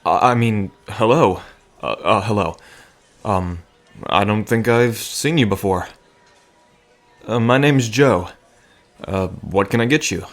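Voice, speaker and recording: A man's voice: fairly low pitch, takes it slowly, long pauses, faint music behind. A man playing an awkward, wry bartender and reluctant sidekick in an audio drama, hesitant and given to muttered asides. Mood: flustered. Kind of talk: dramatic audio roleplay acting.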